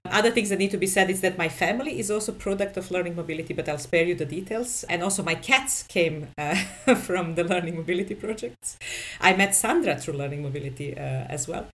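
A woman's voice: on the low side, fairly quick. A woman in her forties, a trainer and facilitator, talking reflectively as a podcast guest. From Serbia. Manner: reflective, talkative. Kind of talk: podcast conversation.

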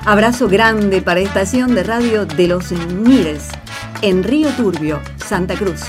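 A woman's voice: medium pitch, measured pace, over music, close to an everyday voice. A woman with an Argentine accent speaking in a conversational radio drama style. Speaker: cast member of a religious radio show.

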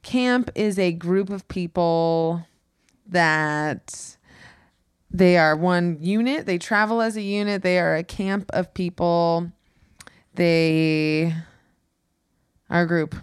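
A playful woman chatting on a podcast, her voice fairly low for a woman and her speech slow and unhurried. The sound is very dry and close, with no room echo. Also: clean tone. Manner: playful, laughing, guessing. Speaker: podcast co-host. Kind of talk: casual chat.

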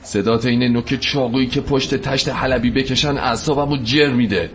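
An actor playing a weary, blunt companion who speaks cuttingly and with exasperation. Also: male voice, mid-range voice, fairly bright tone, a little hiss or hum, natural voice. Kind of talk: drama acting.

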